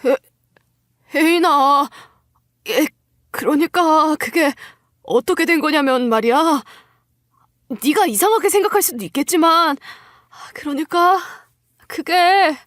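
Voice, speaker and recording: A high, slow-paced voice of a scheming older mother-in-law, acted by a woman in a dramatized story. She scolds and accuses with self-righteous indignation. The sound is close and dry. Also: animated, fairly bright tone, no echo, heavily acted. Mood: flustered. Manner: accusatory, haranguing.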